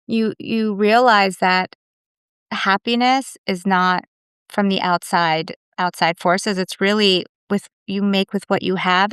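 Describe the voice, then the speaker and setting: A woman's voice: medium pitch, a bit bright, smooth, no room sound, clean studio sound. A woman, an immigration attorney, reflecting in casual conversation and telling personal stories with many "like" fillers. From United States.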